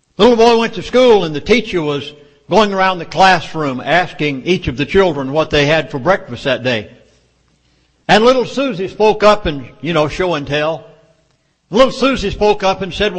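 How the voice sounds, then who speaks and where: A man with a Southern US accent, high in pitch, with lively intonation and a moderate pace. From American South. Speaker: speaker telling a story to an audience. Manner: folksy storyteller, telling a joke.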